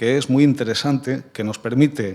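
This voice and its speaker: A man talks at medium pitch with ordinary pitch variation. The recording is very clean, with a silent background. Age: 60s. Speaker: audience member asking question. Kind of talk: public Q&A comment. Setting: public colloquium with audience. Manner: halting, many fillers.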